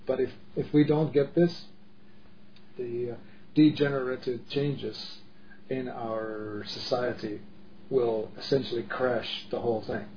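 A man's voice: medium pitch, steady tone, a little slow. Middle-aged man from the Czech Republic, earnest co-host, emphatic with restarts; dull recording with faint hiss. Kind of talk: casual discussion. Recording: dull lo-fi audio with faint noise.

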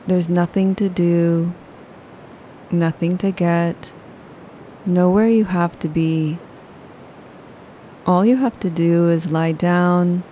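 A woman leading a guided yoga nidra meditation, speaking slowly and soothingly. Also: on the low side, dark tone, a little hiss or hum, poor audio. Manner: slow, soothing, unhurried.

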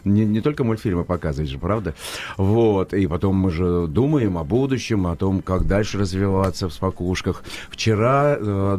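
An older man, an actor and former children's TV presenter, telling stories as a guest in a radio studio, lively and emphatic. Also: low-pitched. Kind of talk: studio interview.

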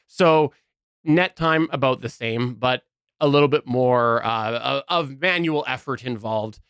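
Smooth-voiced man co-hosting a tech podcast. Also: mid-range voice, a little slow, dry recording, studio quality. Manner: relaxed, laughs often. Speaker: podcast co-host. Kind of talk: casual tech chat.

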